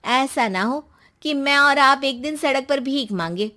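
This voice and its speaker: A woman's voice: high-pitched, measured pace, sharp tone. A woman voicing a scheming young daughter in a cartoon who wheedles and manipulates her mother. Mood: indignant. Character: scheming young woman plotting to seize family home.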